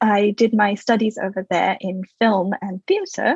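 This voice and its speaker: A woman with an Australian accent has a fairly high pitch and a somewhat breathy voice. The sound is dry and close, with no echo. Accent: Australian accent, noticeable. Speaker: podcast guest. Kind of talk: interview.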